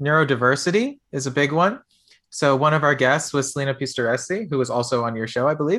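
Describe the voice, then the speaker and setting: In an American accent, a man speaks at a fairly quick pace with a fairly high pitch and a bright, sharp tone against a quiet background. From US. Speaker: piano teacher and podcast co-host. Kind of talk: interview.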